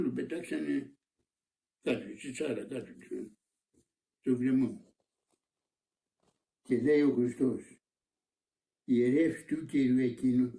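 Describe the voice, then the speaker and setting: Gravelly old monastic elder. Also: male voice, medium pitch, dark tone. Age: older. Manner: slow, repetitive storytelling. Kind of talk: retelling a parable in an interview. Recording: roomy, distant mic.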